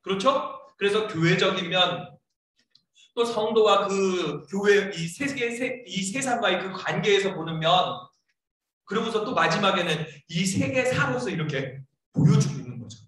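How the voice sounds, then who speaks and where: A man's voice: high-pitched, expressive, moderate pace, a bit bright. A man preaching a sermon as pastor, often putting questions to the congregation and acting out scolding lines in a raised voice. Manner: keeps asking the congregation questions. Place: church sanctuary. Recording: echoey church hall, mic far off.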